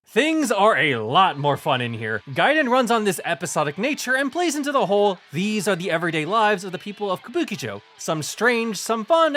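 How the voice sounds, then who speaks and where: Lively, high-voiced male reviewer. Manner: lively, animated delivery. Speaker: visual novel reviewer. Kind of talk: scripted review narration.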